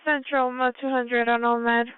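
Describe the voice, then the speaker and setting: A woman's voice: on the high side, level tone, normal speed, smooth, no echo. A woman police dispatcher heard over a radio transmission, talking in terse, clipped call-sign phrasing. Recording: tinny narrow-band scanner radio.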